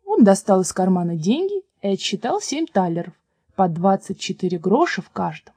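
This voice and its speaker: A woman reads a fairy tale aloud, calm and measured. Her voice sits in a middle range. The sound is dry and close. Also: medium pitch, slightly rough, no echo. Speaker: storyteller.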